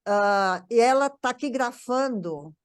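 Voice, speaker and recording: An older woman reminiscing in casual conversation, haltingly, often repeating words as she searches for phrasing. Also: a little high, expressive, clear, resonant tone. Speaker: guest recalling a parent's life.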